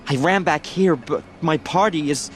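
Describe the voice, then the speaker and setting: A man playing a shaken tribal warrior in a video game, pleading and haunted, speaking haltingly. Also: a little high, a little hiss or hum, close to an everyday voice. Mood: grief-stricken. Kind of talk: video game dialogue acting.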